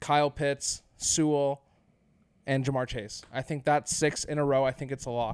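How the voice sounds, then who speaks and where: Fairly slow speech from a man, pitched fairly high. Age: 20s. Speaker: sports podcast co-host. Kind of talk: casual chat.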